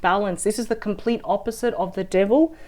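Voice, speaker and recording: A woman reading tarot cards, chatty and thinking aloud. Her voice is husky and a little weak after a sore throat. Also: mid-range voice, fairly quick, darkish tone. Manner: chatty and thinking aloud, often adds "right?". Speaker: tarot reader. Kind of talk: weekly tarot card reading.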